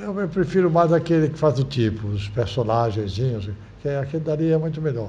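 A man talks in a dark, mellow tone. There is a somewhat breathy quality to it. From Brazil, Paraíba (Northeast). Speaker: voice actor and announcer; voice actor, announcer. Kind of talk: interview. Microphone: handheld.

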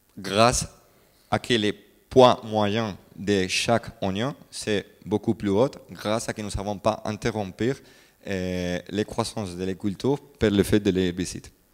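A man with a Spanish accent, speaking at a very slow pace against a quiet background. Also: fairly low pitch for a man, fairly even intonation. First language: Spanish (speaking French). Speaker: agronomy company representative; presenter. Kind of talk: technical presentation. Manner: mixing French and Spanish. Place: hall. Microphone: handheld.

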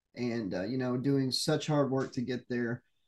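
A man with a Southern US accent at a moderate pace against a quiet background. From US South. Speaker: news-parody show co-host. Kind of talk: casual chat. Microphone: webcam.

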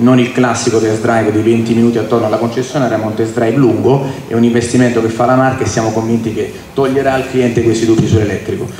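Very fast, monotone speech from a man, flat in intonation, with audible room echo and light background noise. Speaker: guest. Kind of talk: interview answer. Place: shop. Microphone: handheld.

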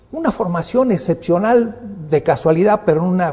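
Lively in intonation and high in pitch, a man talks at a moderate pace. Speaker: philosopher. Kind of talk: interview.

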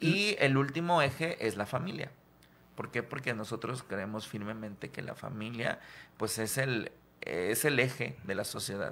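Lively intonation marks talking that unfolds at a fairly slow speed. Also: man. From Tabasco, Mexico (Centla); Tabasco, Mexico. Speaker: psychologist and nonprofit president. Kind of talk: radio interview. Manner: hesitant, many fillers. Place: studio. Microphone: studio mic.

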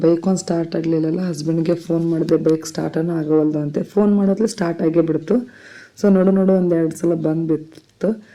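A woman with a North Karnataka accent speaks in a fairly low, dark, mellow tone. Her intonation is monotone and flat. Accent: North Karnataka Kannada dialect. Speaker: family vlogger. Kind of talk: casual vlog narration. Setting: travelling on bus and around town.

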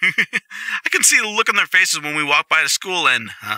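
The put-on character voice has a bright, sharp tone and big pitch swings, moves at a moderate pace, and sounds dry and close with no echo. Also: man, high pitch for a man.

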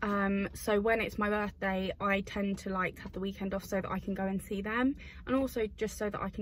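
Somewhat breathy and monotone, a woman speaks with flat intonation at a moderate pace. The sound is dry with no echo, over light background noise. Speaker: flight attendant vlogger. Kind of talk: casual vlog chat. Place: car. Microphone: phone near.

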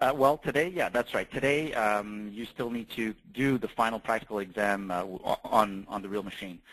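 An unremarkable speaking voice at a moderate pace, ordinary pitch variation and a quiet background. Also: man, fairly low pitch for a man. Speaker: simulation industry specialist; panelist. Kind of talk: webinar presentation. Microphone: video call.

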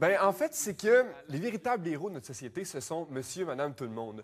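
With light background noise behind him, a man speaks at a moderate pace with very wide pitch swings. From Quebec. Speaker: vlogger and hitchhiking traveler; vlogger. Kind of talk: TV interview. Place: studio. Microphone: lapel.

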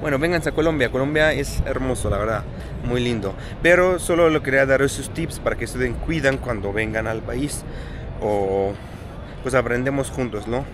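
A man speaks at a moderate pace with ordinary pitch variation, his voice dry with no echo over noticeable background noise. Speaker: travel vlogger. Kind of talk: casual vlog chat. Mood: relaxed, friendly. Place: street. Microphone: phone near.

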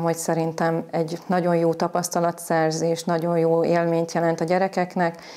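The woman's voice sits at a fairly low pitch. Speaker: music teacher. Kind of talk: interview. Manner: fluent, long sentences. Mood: warm, proud of student. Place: classroom.

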